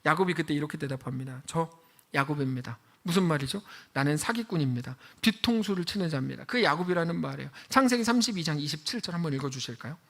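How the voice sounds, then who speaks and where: A male pastor preaching a lively sermon, acting out dialogue from a drama he watched. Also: on the high side, fast, gravelly. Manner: animated, acts out drama dialogue with raised voice.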